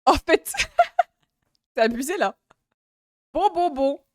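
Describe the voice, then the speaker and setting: A young woman streamer with a high, bright voice chats with her viewers in a loose, giggly way, breaking off often to react and laugh. The sound is dry and close, with no room around it. She is from France. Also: lively intonation, slow pace, no room sound. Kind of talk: casual live-stream chat.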